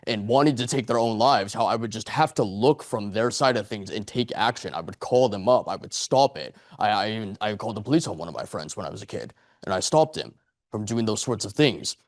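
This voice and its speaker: A man's voice: on the low side, lively intonation, fairly quick, no echo, studio quality. Earnest, rambling young man giving a speech. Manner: rambling, earnest, rhetorical questions and repetition. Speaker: public speaker at a speakers club. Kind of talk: motivational speech to a live audience. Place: meeting room before an audience.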